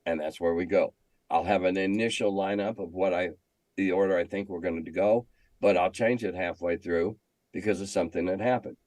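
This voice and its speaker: Older man, low-voiced talkative storyteller. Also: fairly even intonation, a little fast, darkish tone, no echo. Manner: talkative, salty raconteur with dry humor. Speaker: guest, veteran game master. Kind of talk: casual storytelling interview.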